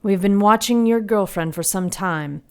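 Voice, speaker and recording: An actress playing a calmly authoritative, knowing Catholic nun in an audio drama. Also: female voice, mid-range voice, moderate pace, smooth, natural voice. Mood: grim.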